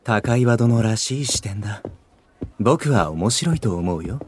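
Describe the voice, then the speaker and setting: An actor playing a gentlemanly, poetic male idol in a Japanese voice drama, speaking in a refined, old-fashioned, composed way. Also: lowish voice, animated, a little slow, a little hiss or hum. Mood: serene, admiring.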